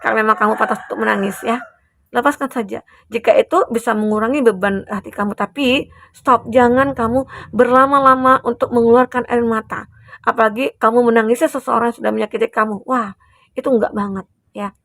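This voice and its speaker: Woman tarot reader, slightly high voice with gravelly fry, soothing advisory tone, dry close sound. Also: steady tone, fairly quick, fairly bright tone, no echo. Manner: soothing, advising, with frequent tag "ya". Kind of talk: collective tarot reading for a zodiac sign.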